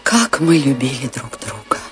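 An actress playing a passionate dancer in a radio play, with a theatrical, tender and measured delivery. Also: female voice, a bass voice, big pitch swings. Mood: wistful, tender. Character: Isadora, passionate woman dancer recalling her great love. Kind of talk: radio play narration and dialogue. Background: music behind the voice.

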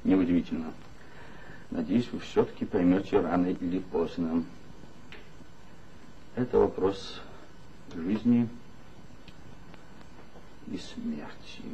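An actor playing a bitter, ironic former magazine writer in a 1960s radio play, speaking in a measured, wry way. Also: male voice, sits low, warm tone. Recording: dull old 1960s radio recording with faint hiss.

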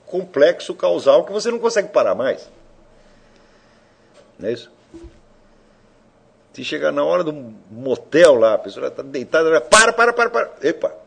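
A man gives a loose, conversational lecture, firing rhetorical questions at his audience and swearing offhandedly. His voice is husky, and his pitch swings widely as he talks. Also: darkish tone. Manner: provocative, asks rhetorical questions, swears casually. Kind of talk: informal philosophy lecture.

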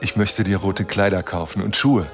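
A lonely astronomer yearns for love yet mistrusts it in a radio drama. His voice is on the low side and earnest, with music clearly playing behind it. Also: fairly even intonation, moderate pace. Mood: eager, dreamy. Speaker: actor. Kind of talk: German radio drama acting.

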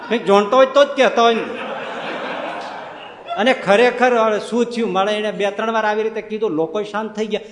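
A man with a high, ringing voice delivers a lively storytelling sermon. He builds his points through rhetorical questions and often laughs along the way. A long reverb trails his words, as if he is speaking in a large hall. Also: fairly quick, noisy background. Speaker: spiritual speaker.

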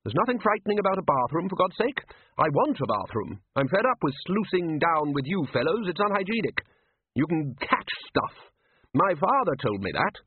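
A man's voice: a little high, big pitch swings, moderate pace, a little hiss or hum, voice pushed up. A man doing a blustering, bossy old head wizard. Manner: loud, blustering, pompous. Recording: tinny phone-like band.

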